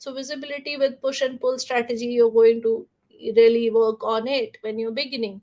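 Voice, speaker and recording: A woman speaks with an Indian accent. Her pitch varies in an ordinary way. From northern India. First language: Hindi. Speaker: LinkedIn coach. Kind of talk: webinar presentation. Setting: online live stream.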